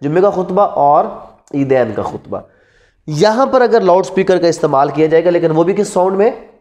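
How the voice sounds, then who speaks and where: A man's voice: high-pitched, lively intonation, brisk, a little mellow. A man in his thirties with a Pakistani accent teaches a class, posing rhetorical questions and repeating key terms. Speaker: law teacher. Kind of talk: classroom lecture mixing Urdu and English terms. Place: indoors in front of a classroom whiteboard.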